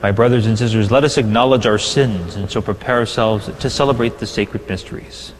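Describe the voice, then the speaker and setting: A man acting as priest, reciting the prayers of the Mass in a measured, solemn cadence, his voice echoing like a cathedral in a chapel. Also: fairly low pitch. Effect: long cathedral-like reverb of a chapel. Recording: reverberant chapel with faint hum.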